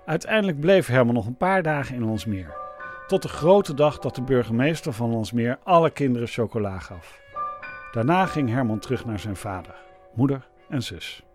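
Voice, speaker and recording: A man narrating a podcast in a measured, scripted storytelling delivery. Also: mid-range voice, animated, soft background music.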